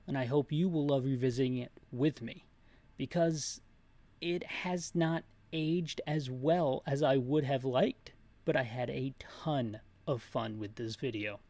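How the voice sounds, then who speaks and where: A man's voice: mid-range voice, warm tone. A man in his thirties giving rambling, hyper gameplay commentary as he describes a video game aloud for listeners. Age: 30s. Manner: rambling, hyper, self-deprecating. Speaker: gaming YouTuber.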